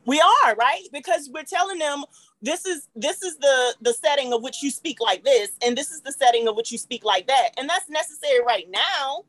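A woman's voice: high voice, lively intonation, normal speed, fairly bright tone, no room sound, poor audio. A woman with an African American accent speaking emphatically in a group discussion, often checking for agreement. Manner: emphatic, seeks agreement with "right?". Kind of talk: animated panel discussion.

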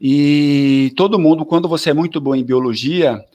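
A man. His voice sits slightly high for a man. He talks in a lively, chatty way as an interview guest, tagging his sentences with fillers. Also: moderate pace. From southern Bahia, Brazil. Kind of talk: casual interview chat.

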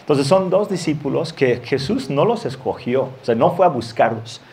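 Un hombre que predica un sermón en tono conversacional, leyendo pasajes bíblicos y riendo un poco de vez en cuando. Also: male voice, fairly high pitch, lively intonation, normal speed, darkish tone, slight background noise. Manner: conversational, reads scripture aloud with light laughs. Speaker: pastor. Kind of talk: sermon.

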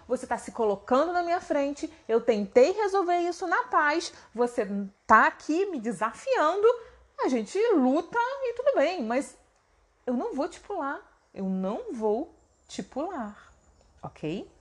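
A woman voicing Bima, a proud and mighty male warrior who speaks with emphatic indignation. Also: sits high. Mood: indignant.

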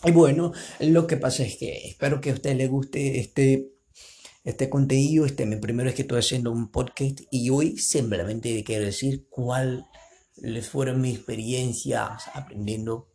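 A man's voice: medium pitch, steady tone, unhurried, creaky, warm tone. Brazilian guy in his 20s doing a chatty solo podcast, jokey and all over the place. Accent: Brazilian Portuguese speaker, mixing in an Argentine lilt. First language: Portuguese. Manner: rambling, playful, self-mocking, switches into put-on voices. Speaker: podcast host. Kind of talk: casual solo podcast talk.

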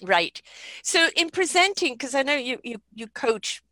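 A woman's voice: high voice, sing-song, a little slow, pushed and bright. A woman hosting a casual conversation, chatty and advice-giving with easy laughs. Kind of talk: casual chat.

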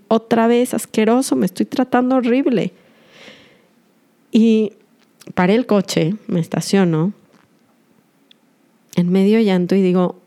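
A woman's voice: medium pitch, mellow. A woman podcast host, earnest and confessional, speaking directly to her listeners in a reflective monologue.

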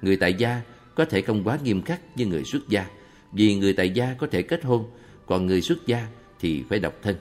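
A man reading a monk's answers aloud in a calm, measured Buddhist question-and-answer recording. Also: lowish voice. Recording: long reverb with faint background music.

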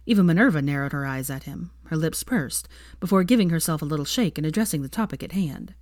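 A woman narrating a fan story aloud in a calm, even reading voice. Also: deep voice, fast talker, dry recording, clean studio sound. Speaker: fanfiction reader.

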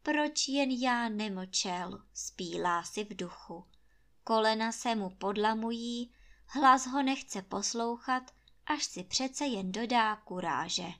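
A woman storyteller reading a fairy tale aloud for children in a calm, expressive way. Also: a little high.

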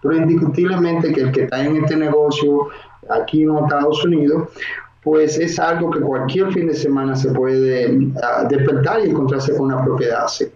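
A man from the Dominican Republic, a mortgage broker and investor, explaining slowly in an interview with many filler sounds. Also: fairly high pitch, steady tone, a little mellow, a little hiss or hum. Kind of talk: interview answers. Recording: roomy, dull lo-fi sound.

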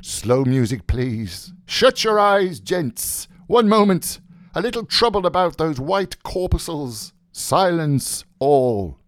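A man's voice: on the high side, sing-song, slow pace, no echo, studio quality, voice pushed up. A man voicing an exuberant, mocking young joker who declaims with mock solemnity in a dramatised novel reading. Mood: booming, mock-solemn.

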